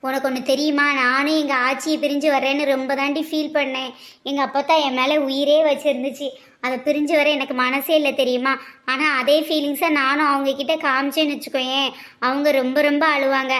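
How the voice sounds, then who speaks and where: A woman's voice: high voice, little pitch movement, a bit bright. Woman voicing a cheeky teenage cartoon girl. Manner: teasing, quick joking banter. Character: cheeky teenage girl Priya, a teasing hostel student. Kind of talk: cartoon voice acting.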